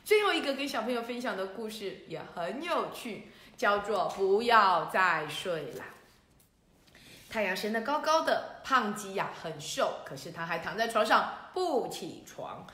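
A woman hosting a children's story show, telling stories in a lively, coaxing way to young listeners. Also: medium pitch, normal speed. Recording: roomy echo.

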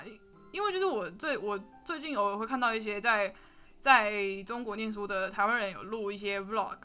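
Her pitch sits in the medium range and her tone is sharp. She is a young woman with a Taiwanese Mandarin accent, hosting a casual interview podcast in a chatty, giggly way with hesitant restarts.

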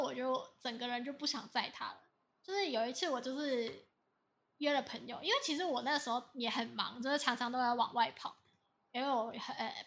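A woman chats casually on a podcast. Her voice sits high and sounds bright and sharp. She tells stories with animation and acts out the people she quotes. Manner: animated storytelling, quoting others in voices. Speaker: podcast co-host. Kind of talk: casual chat.

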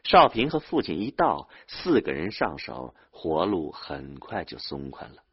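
A man's voice: rumbling low, sing-song, unhurried, breathy edge, highs cut off. A man narrating a novel as an audiobook, telling the story expressively with dramatic swings.

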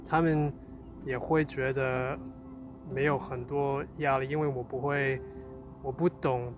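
Over background music, a man chats in unscripted Mandarin at a measured pace, his mid-range voice keeping a level tone. He's a co-host and foreign learner of Chinese with a non-native accent, and he often searches for words and repeats himself.

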